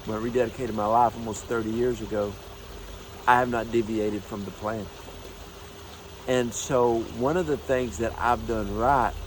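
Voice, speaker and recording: A man's voice: fairly low pitch, poor audio. Man, 40s, minister, upbeat motivational talk, emphatic, faint hiss behind. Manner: energetic, emphatic, folksy storytelling. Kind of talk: casual motivational talk to camera.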